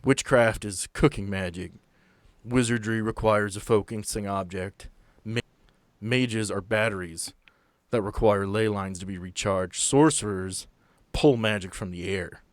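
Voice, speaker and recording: A man playing an earnest, blunt veteran agent with a folksy, salty, deliberate way of talking in a tabletop game. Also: on the low side, dry recording, clean studio sound, close to an everyday voice. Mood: blunt, confiding.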